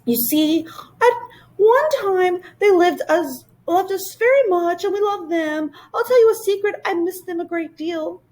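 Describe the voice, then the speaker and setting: A woman voicing an excitable, fussy old male Whangdoodle king who lisps and gushes. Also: extremely high pitch, a little slow, voice pushed up, rough recording. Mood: wistful. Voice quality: lisping. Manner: gushing, chattering, anxious.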